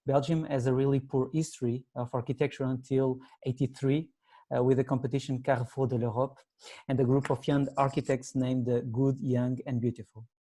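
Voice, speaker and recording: A man's voice: medium pitch, level tone, fairly quick, warm tone, low-quality recording. A man moderating a lecture Q&A in non-native English, hesitant and rephrasing as he reads out audience questions.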